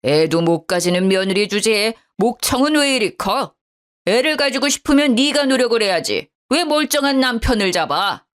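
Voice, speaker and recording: A woman's voice: on the high side, animated, moderate pace, voice pushed up, natural voice. A woman voicing a scolding old father-in-law. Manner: scolding, contemptuous. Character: angry older man, father-in-law, shouting. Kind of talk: storybook narration.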